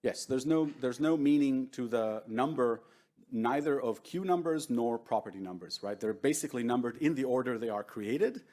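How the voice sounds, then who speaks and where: A middle-aged man, a native Hebrew speaker, lectures to a seated audience in a large conference room, speaking into a lectern microphone. His delivery is loose and conversational, and he keeps checking in with the listeners as he explains. His pitch sits in an ordinary middle range. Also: animated, moderate pace, a little mellow. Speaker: workshop presenter.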